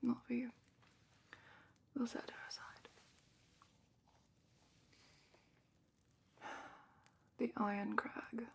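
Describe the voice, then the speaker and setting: A woman playing a calm, patient dragon keeper guiding a student, in a gently wry, soft whisper for a fantasy ASMR roleplay, close to the microphone. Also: a little high, unhurried. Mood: gentle, considering. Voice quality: breathy whisper and soft-spoken murmur.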